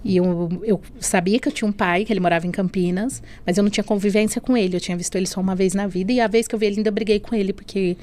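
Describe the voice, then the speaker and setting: A woman's voice: medium pitch, fairly even intonation, very fast, hardly any pauses. Woman telling an emotional testimony. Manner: storytelling that acts out remembered dialogue; leans on tag questions and softening fillers. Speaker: guest sharing a faith testimony. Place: podcast studio.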